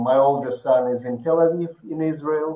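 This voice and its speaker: A man speaks at a moderate pace with a Russian accent, his intonation monotone and flat. The room echo is audible. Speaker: professor. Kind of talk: panel discussion. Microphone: video call.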